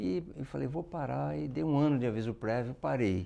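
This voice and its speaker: A man's voice with a dark, mellow tone. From interior of São Paulo state, Brazil (Iacanga, Bauru). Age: 70s. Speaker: economist. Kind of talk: interview.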